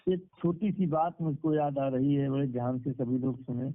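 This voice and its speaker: A man's voice: mid-range voice, normal speed. A man giving a devotional Hindu discourse with moral storytelling, repeating phrases for emphasis, heard over a telephone conference call. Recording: tinny phone conference-call line.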